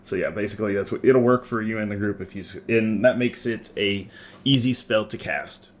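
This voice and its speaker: A man with a fairly low voice acts as game master for a tabletop role-playing game, narrating and refereeing conversationally and pausing to explain the rules.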